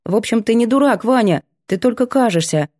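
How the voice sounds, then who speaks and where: A cheeky, bookish girl student with a raised, chirpy voice, quick to tease and to protest, as a woman reading an audiobook puts her on. The sound is dry and close, with a mellow tone. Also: a little high, expressive, dry recording, voice pushed up. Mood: apologetic. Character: bookish stubborn cheeky young female student. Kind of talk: audiobook character voice.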